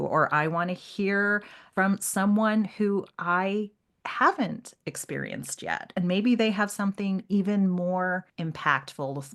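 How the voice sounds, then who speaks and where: A woman co-hosting a literary podcast, chatting casually and animatedly, slipping into imagined quotes as she makes her point. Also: on the low side.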